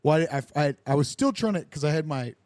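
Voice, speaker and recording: With a fairly high voice and a fast delivery, a young podcast host spins a story in casual conversation, giving each person in it a lively voice as he acts out their dialogue. The audio is dry, with no echo.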